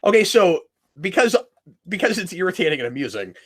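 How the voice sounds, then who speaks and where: A man co-hosting a casual commentary chat, playful and animated, sometimes shouting silly character voices. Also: sits high, brisk, slightly rough. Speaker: podcast co-host.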